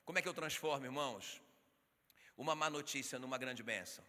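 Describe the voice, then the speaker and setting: A man with a Brazilian Portuguese accent preaching a sermon as a pastor, animated, acting out quotes and calling on the congregation. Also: mid-range voice, a little fast. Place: church hall. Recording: reverberant church hall, faint music behind.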